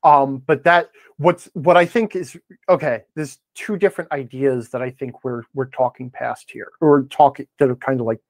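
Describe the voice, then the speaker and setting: A middle-aged man debating conversationally as a podcast guest, assertive and quick to interject with pointed questions. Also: medium pitch, fairly even intonation, no room sound. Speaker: podcast guest, game-advice blogger.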